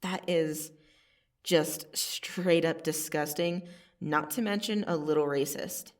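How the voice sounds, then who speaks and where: A woman playing a cocky, teasing vampire assassin in an ASMR roleplay, casually menacing, with a sardonic delivery and long pauses. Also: low voice, far from the mic. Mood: scornful, mocking. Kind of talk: ASMR roleplay monologue to the listener.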